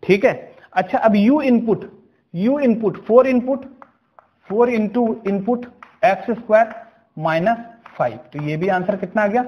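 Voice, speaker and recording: This is a man giving a slow, step-by-step maths lesson, regularly asking if the class understands. His voice is high, and the sound is lo-fi.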